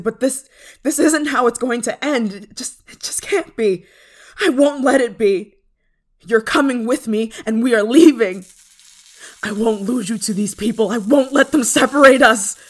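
Woman acting as a clingy, desperate android lover. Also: on the high side. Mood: desperate, forceful. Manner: hesitant, halting, emotionally intense delivery. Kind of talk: ASMR roleplay drama monologue.

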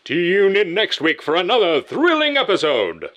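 A young man voicing a grand, dramatic movie trailer announcer with drawn-out, theatrical promo delivery. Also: high-pitched, huge pitch swings, fairly bright tone, voice pushed up, full character voice. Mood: dramatic, hyped. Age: young adult. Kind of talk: announcer impression, trailer voice-over.

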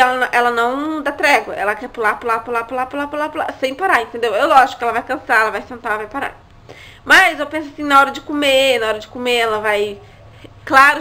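Chatty high-voiced woman vlogging. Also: sharp tone. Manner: chatty, asides to viewers, frequent tag questions. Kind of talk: casual chat to camera.

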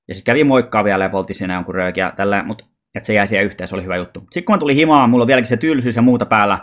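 A man telling a personal story in a loose, rambling vlog monologue, informal and often swearing. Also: mid-range voice. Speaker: vlogger.

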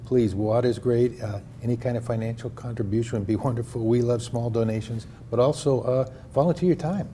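A man's voice: mid-range voice, a little fast, hardly any pauses, warm tone, a little hiss or hum. An older man, a pastor at a homeless mission, talking earnestly in a live TV news studio interview with a Midwestern American accent, often repeating words as he restarts.

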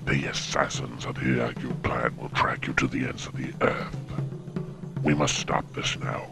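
A man playing a stern, commanding old samurai clan master in an animated drama, speaking with slow, imperious weight in a gravelly voice. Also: rumbling low, exaggerated voice. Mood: grim resolve. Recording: prominent music behind the voice.

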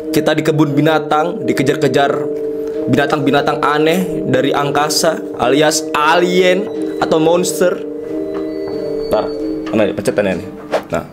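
High-voiced young man livestreaming. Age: young adult. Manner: excitable, slangy, repeats phrases. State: slightly hoarse. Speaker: livestream host. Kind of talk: casual livestream chat. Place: indoor streaming desk.

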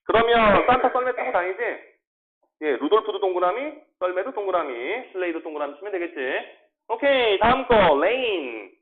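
Male English tutor, high animated voice, drills words and asks quick checks, tinny phone-like classroom recording. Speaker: English academy teacher. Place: small classroom.

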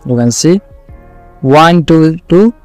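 Slow, clear South Asian man teaching. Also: a little high, expressive, a little mellow, no room sound, faint music behind. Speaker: coding tutorial instructor. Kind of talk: screen-recorded tutorial, explaining step by step.

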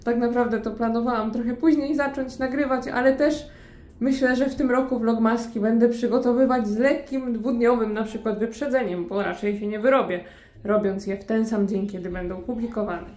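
A woman's voice: fairly high pitch, fairly even intonation, normal speed, a little mellow. A woman in her thirties from Poland, chatting casually and playfully into a phone held at arm's length while she walks outside under an umbrella. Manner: chatty, playful, self-ironic. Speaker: vlogger. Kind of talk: casual vlog chat. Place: snowy city streets outdoors, under an umbrella. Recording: faint street noise and passing cars.

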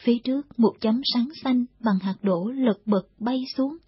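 A woman narrating a war novel in a steady, measured storytelling read, in a dull lo-fi audiobook recording. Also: fairly high pitch, husky, no room sound.

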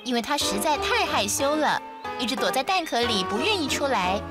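A woman's voice: high-pitched, very animated, a little fast, loud music behind the voice. A woman narrating a scripted story for children as a storyteller.

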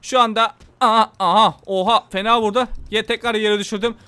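A man's voice: sits high, steady tone, fairly quick, sharp tone, smooth, dry recording. A young man giving rowdy, joking commentary on his own gameplay and talking straight to his viewers. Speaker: gameplay video host. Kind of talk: excited gaming commentary.

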